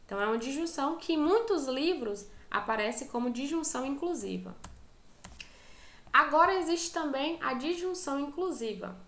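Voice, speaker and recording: A Brazilian woman teacher leads an online lecture, high-pitched with a gravelly edge to her voice. She explains patiently step by step and keeps checking that her students are following. The sound has a roomy echo around it. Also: lively intonation, moderate pace, fairly bright tone. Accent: Brazilian Portuguese.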